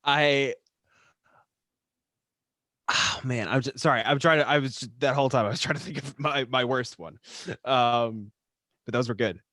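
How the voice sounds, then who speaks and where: A man chatting casually as a podcast guest, animated and amused, often repeating words as he starts. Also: medium pitch, normal speed, long pauses, no room sound, studio quality. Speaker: podcast guest, writer and storyteller. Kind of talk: casual chat.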